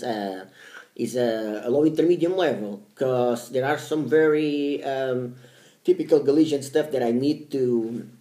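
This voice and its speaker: Talking to camera about the languages he studies, a man in his 30s whose first language is Portuguese keeps restarting his words. His voice sits at a medium pitch, mellow and reverberant. The vlogger is halting and repetitive, leaning on every language name he mentions.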